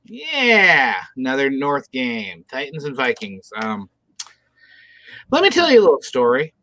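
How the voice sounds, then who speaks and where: A man's voice: medium pitch, huge pitch swings, measured pace, sharp tone. A middle-aged man from Michigan, co-hosting a casual football picks show and ranting bluntly about teams. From Michigan, USA. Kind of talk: casual sports chat.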